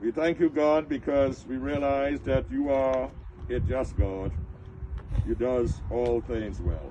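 Over noticeable background noise, a man talks at a very slow pace. His pitch variation is ordinary. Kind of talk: prayer. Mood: solemn, reverent. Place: open country. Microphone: camera far.

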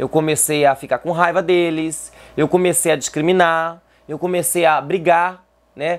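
A man with a high-pitched voice. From Brazil. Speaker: Umbanda priest and video creator; Umbanda priest, video creator. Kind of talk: personal storytelling monologue. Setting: home video set with ring light. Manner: casual, talkative.

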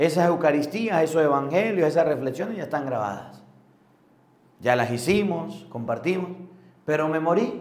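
Lively intonation marks this man's fairly high-pitched voice at a moderate pace. He takes long, frequent pauses, and audible room echo surrounds him. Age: 30s. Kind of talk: sermon. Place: church. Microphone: lapel.

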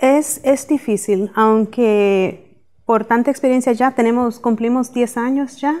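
A woman's high, dark, mellow voice at a very slow pace with hardly any pauses, very even loudness and fairly even intonation, against a quiet background. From Rhode Island, US; born in Manhattan. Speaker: community organization worker helping immigrant professionals; interview guest. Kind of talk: interview; interview answer. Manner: hesitant with fillers. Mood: calm, warm, proud. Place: studio. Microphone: lapel.

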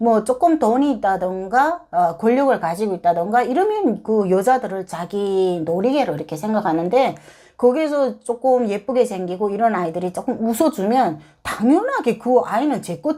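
A woman with an unremarkable speaking voice talks at a fairly high pitch and moderate pace with lively intonation. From North Korea. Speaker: North Korean defector, former soldier, YouTuber. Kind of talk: interview testimony.

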